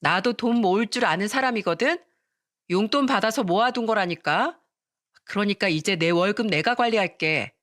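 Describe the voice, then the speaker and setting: A woman's voice: on the high side, expressive, normal speed, a bit bright, no echo, clean studio sound, voice pushed up. A woman voicing a young wife who whines, begs and talks back, in a dramatized story reading. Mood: defiant. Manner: whiny, begging tone. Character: young wife, pleading and defiant.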